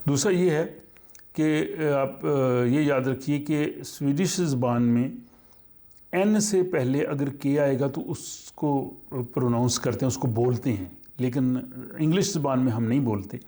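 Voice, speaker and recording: A man teaching a language lesson, explaining slowly with many pauses and fillers. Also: medium pitch, mellow.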